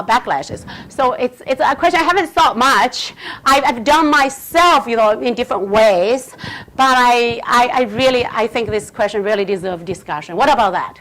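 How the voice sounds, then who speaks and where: A woman answering audience questions in an academic talk, speaking haltingly with many restarts and fillers. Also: fairly high pitch, a bit bright, rough recording.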